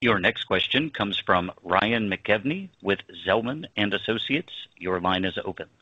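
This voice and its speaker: A man's voice: lowish voice, expressive, normal speed, bright, forceful tone, husky, no echo. A male conference call operator reading scripted instructions in a formal manner. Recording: dry, slightly dull call audio.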